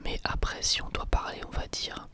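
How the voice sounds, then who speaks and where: A man hosting a whispered ASMR video, calmly answering viewer questions in a thoughtful, explanatory way. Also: moderate pace. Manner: soft-spoken, thoughtful and explanatory. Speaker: ASMR channel host.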